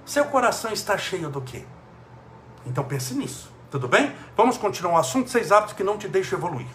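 High-voiced man preaching in an echoey room. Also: very animated, fast, a little hiss or hum. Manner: rhetorical questions, acts out quoted voices. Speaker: spiritual speaker. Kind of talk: preaching talk to listeners.

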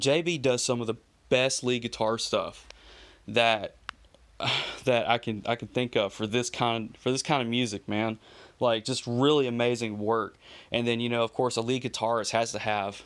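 An excited man reviewing an album casually. He rambles with lots of fillers and slang and runs out of breath. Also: medium pitch. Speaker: music reviewer.

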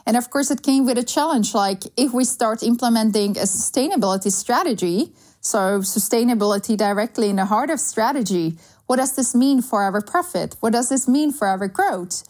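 A woman in her thirties from Slovakia with a Slovak accent, answering interview questions in an earnest, measured way with frequent fillers. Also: a little high, a little mellow. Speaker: guest, sustainability consultancy founder.

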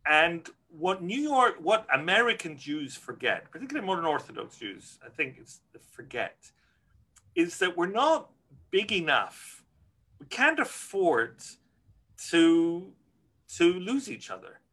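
A man's voice: fairly high pitch, sing-song, a little slow, bright, forceful tone. A middle-aged man from Scotland, a rabbi answering interview questions earnestly and frankly, with many restarts.

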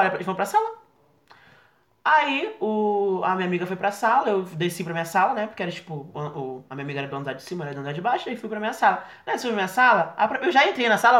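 A young man telling a funny story in casual podcast chat, animated, often laughing and acting out other people's voices. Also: high-pitched. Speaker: podcast co-host. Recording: roomy echo.

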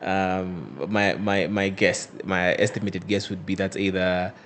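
A Kenyan-born male host with a fairly low voice leads a relaxed interview. He probes with quick, playful follow-up questions and steers the guest back for details. Faint background noise sits under the talk. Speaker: podcast host. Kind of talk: conversational interview.

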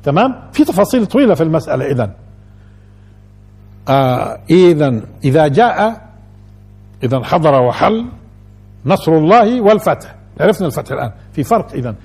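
A man's voice: a little high, very animated, a little fast, pauses often, darkish tone, breathy edge. A man teaching a colloquial Quran lesson, who keeps asking his audience rhetorical questions. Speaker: religious teacher.

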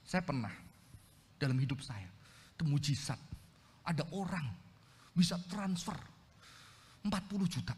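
A male pastor preaching a lively, animated delivery, his fairly high voice carrying through a big reverberant church hall. He jumps from loud exclamations to hushed, intimate stories. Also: moderate pace, long pauses. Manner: animated, swings between loud exclamations and quiet storytelling. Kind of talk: sermon.

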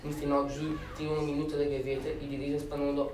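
A man with a slightly high voice reads a wry prose excerpt at a brisk clip. He is well off the microphone in a reverberant space. Constant background noise sits under his voice. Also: monotone. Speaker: reader at a reading event. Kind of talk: reading a humorous prose excerpt aloud. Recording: echoey room, distant mic, noisy.

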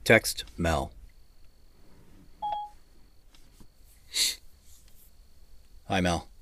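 A worn-out tech boss in an audio drama, speaking in a low register. He dictates in short, courteous, businesslike phrases, with a crisp edge to the tone. The sound is close and very dry. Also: animated, slow, fairly bright tone, no echo, heavily acted. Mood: tired, casual. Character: weary male tech CEO dictating texts, polite, businesslike.

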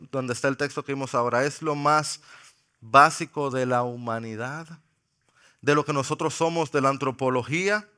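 A pastor preaches to his church in a bright, ringing voice that sits a little high for a man. He jokes easily with the congregation, then slows right down to lean on the words that matter. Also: clear, resonant tone. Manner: slows for emphasis on key words. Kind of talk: sermon. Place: church sanctuary.

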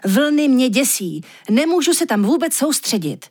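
A woman voicing a timid, cowardly male reindeer in a storybook reading, jittery and quick to take offence. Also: sits high, big pitch swings, a little mellow, husky, pitched above the performer's own voice, exaggerated voice. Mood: fretful. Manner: jittery, easily startled, indignant.

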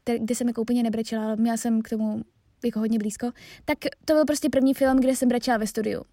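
A woman's voice: on the high side, steady tone, dark tone, no room sound, studio quality. A young woman, a voice actress, chatting casually and reflectively about her dubbing roles, often trailing off.

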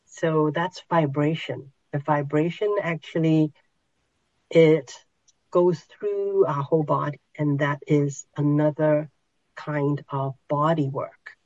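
A middle-aged woman teaches a small group at a very slow, unhurried pace, often pausing and restarting as she searches for words. Her voice sits dry and close, with no room around it, on a somewhat dull, muffled recording. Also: sits low, steady tone, a little mellow, no room sound. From Hong Kong. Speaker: podcast host and spiritual teacher.

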